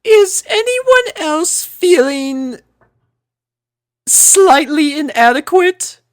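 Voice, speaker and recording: A woman's voice: high voice, lively intonation, extremely slow, pitched above the performer's own voice, exaggerated voice. A woman voicing a prissy, ladylike, easily offended teenage girl in a story, with a haughty, fussy manner. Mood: uneasy.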